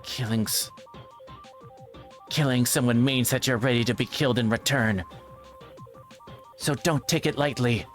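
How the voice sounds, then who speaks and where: A man's voice: medium pitch, measured pace, long pauses, natural voice. A man voicing a fierce, grieving girl in a visual novel, speaking with urgent insistence. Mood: stern. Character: fierce, grief-stricken girl urging others to survive. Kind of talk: visual novel character read aloud. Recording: music behind the voice.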